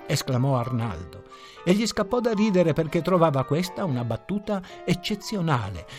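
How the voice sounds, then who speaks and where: A man narrating a short story in a measured, ironic storytelling manner. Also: fairly high pitch, very animated. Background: faint music.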